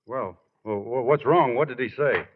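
An actor playing an earnest, devoted young American ballplayer son, halting and boyish, in 1940s radio drama style on a very muffled old recording. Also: male voice, medium pitch, slight background noise, lightly acted. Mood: alarmed. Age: young adult.

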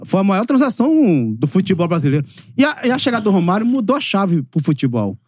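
A man in his fifties from Brazil, a former footballer and podcast guest, telling lively anecdotes in a casual chat, acting out quoted voices and laughing often. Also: sits high, quick pace, dry recording, clean studio sound.

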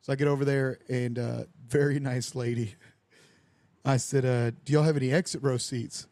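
A man's voice: mid-range voice, normal speed, no echo. A young man, a podcast host telling a story in casual chat and acting out the people in it. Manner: animated storyteller who acts out quoted dialogue with lively voices.

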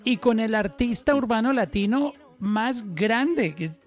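Entrevistador de voz aguda y entusiasta. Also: male voice, very high voice, slow, soft background music. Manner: enthusiastic, laughs along. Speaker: interview host. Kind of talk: casual interview.

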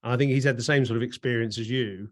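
English bloke interviewing, mid pitch, chatty, rambly questions, casual conversation. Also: male voice, steady tone, fast talker. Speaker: interviewer and host.

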